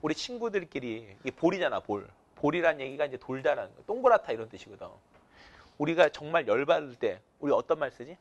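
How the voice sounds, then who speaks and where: Lively man drilling vocabulary. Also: a little high, fast, highs cut off. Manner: drills students with countdowns and repeated cues, jokes in slang. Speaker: English teacher. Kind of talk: energetic vocabulary lecture with call-and-response drills.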